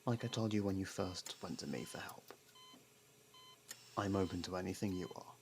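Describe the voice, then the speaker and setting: A man playing a sardonic, guarded ex-prisoner who reluctantly worries about a partner, in a halting, intimate ASMR roleplay monologue. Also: low voice, vocal fry, a little mellow, a little hiss or hum. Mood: dry, teasing.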